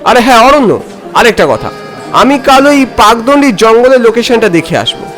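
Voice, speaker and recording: Veteran male director, acted by a man, brisk and dismissive, raised swooping voice, animated story with music. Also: extremely high pitch, voice pushed up, exaggerated voice. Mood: commanding. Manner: brisk, commanding, scoffing.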